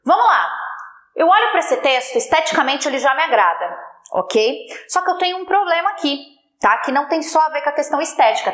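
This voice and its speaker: A woman's voice: high-pitched, fairly bright tone. Playful teasing woman teacher, echoey room. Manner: playful, teasing, talks while drawing on a slide. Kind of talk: online exam-prep lesson.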